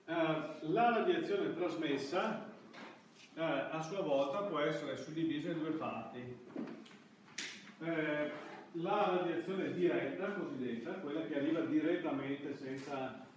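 Searching for words with frequent false starts, a middle-aged man delivers a university classroom lecture in a rather high voice. The recording is distant and very echoey, made on a far camera mic, with a little hiss underneath.

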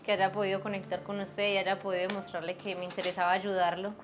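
A woman's voice: medium pitch, level tone, fast, long reverb tail, over music. A young woman in a staged drama, speaking politely and apologetically to a doctor in a clinic office. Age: young adult. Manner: polite, apologetic, soft-spoken. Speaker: job applicant helping a stranger.

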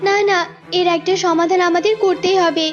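A woman's voice: very high voice, steady tone, moderate pace, voice pushed up. A woman voicing a determined, worried forest animal in a cartoon, speaking with insistent urgency. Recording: dull lo-fi audio with music.

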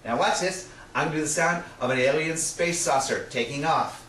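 Speaking at a moderate pace in a slightly high voice, the same playful science presenter, a middle-aged man, explains and demonstrates to camera. He's in a small room with a projector screen, and the audio is roomy and noisy from a distant camera mic.

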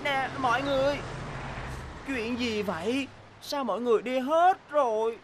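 A woman's voice: high-pitched, measured pace, noisy background. A woman voicing a cheerful, mischievous young boy bus in a children's cartoon. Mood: puzzled. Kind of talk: animated children's cartoon dubbing.

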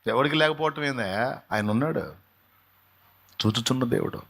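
A male pastor preaching a sermon at a mid-range pitch. He is impassioned, lurching from loud, ringing exclamations to soft, pleading appeals, and he repeats his phrases to hammer them home. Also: moderate pace, vocal fry.

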